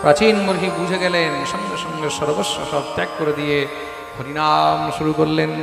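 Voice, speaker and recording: High, gravelly-voiced male preacher in a hall. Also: fairly even intonation, normal speed. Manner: rhetorical questions answered himself, scolding emphasis. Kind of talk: devotional sermon. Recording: echoey hall with music behind.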